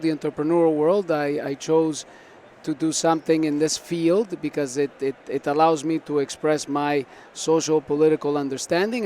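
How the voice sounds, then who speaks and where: Higher-voiced man explaining, over background noise. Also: darkish tone. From South America (Argentina and Venezuela), born in Canada. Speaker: startup founder being interviewed. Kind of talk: conversational interview answers. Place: busy tech conference floor. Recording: noisy busy event with background ambience.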